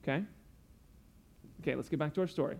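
An earnest young man delivering a sermon, his voice sitting a little high for a man. He explains patiently, like a teacher walking a congregation through a lesson, with frequent asides. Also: quick pace, gravelly, a little mellow. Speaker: preacher.

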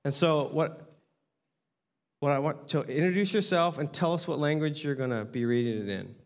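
Pastor, male, bright conversational delivery, slightly high, church reverb. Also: normal speed. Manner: animated, conversational preaching. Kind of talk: sermon. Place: church sanctuary. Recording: long hall reverb.

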